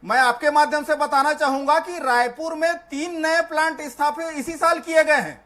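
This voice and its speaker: A man speaking formally as a panelist on a televised political debate, with halting restarts. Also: extremely high pitch, fairly even intonation, bright, forceful tone.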